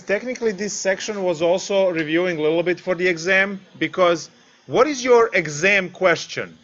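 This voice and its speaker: A man's voice: high-pitched, a bit bright, muffled recording. A man teaching a live-streamed calculus lesson, explaining step by step and speaking directly to his viewers. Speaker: math tutor.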